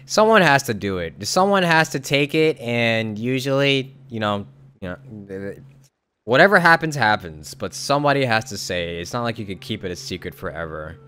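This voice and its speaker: A young man doing casual live game commentary as a streamer, informal and slangy, with a halting delivery. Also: mid-range voice, big pitch swings, sharp tone, clean tone.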